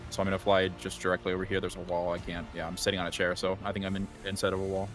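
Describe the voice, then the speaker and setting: Really deep voiced guy talking through his turn, lots of ums, faint music. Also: monotone, racing, a bit bright. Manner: thinking aloud with many ums. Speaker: player. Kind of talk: playing a tabletop game.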